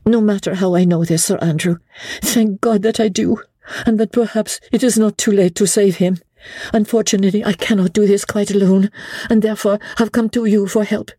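A woman's voice: mid-range voice, steady tone, brisk, mellow, dry recording, studio quality, pitched above the performer's own voice, natural voice. A woman voicing an earnest, desperate English lady in a dramatic audiobook, urgent and resolute as she pleads. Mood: grave, resolute.

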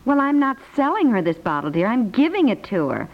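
A woman's voice: fairly high pitch, sing-song, brisk. A woman playing a cheerful, eager, bargain-loving American wife and mother in a 1950s radio domestic comedy. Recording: muffled 1950s radio recording.

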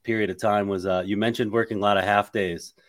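A man's voice: fairly low pitch, steady tone, fast talker. A man in his late forties hosting a podcast interview, encouraging his guest and laughing easily. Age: 40s. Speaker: podcast host. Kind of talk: casual interview chat.

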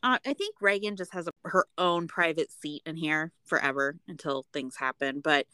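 A middle-aged woman co-hosting a recap podcast, chatting in an informal, playful and expressive way. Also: deep voice, normal speed, clear, resonant tone, dry recording. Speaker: podcast co-host. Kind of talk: casual reality TV recap chat.

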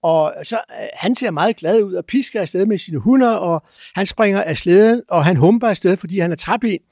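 A man telling adventure stories as a guest, lively but halting, with many filler sounds. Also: high-pitched, vocal fry, no echo, clean studio sound. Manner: lively, acts out chants and sounds. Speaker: guest explorer. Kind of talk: animated storytelling.

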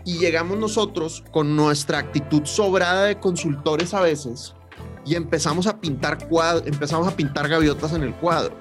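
A man, co-hosting a podcast, telling a story in a lively way and acting out the voices of the people in it. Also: on the high side, moderate pace, soft background music. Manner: animated storyteller, acts out quoted voices. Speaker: podcast co-host, sales trainer.

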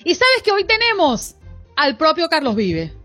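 A woman with a high voice hosts a morning show, keeping up playful banter with her co-host. Faint music plays underneath. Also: huge pitch swings, unhurried, a bit bright, no room sound.

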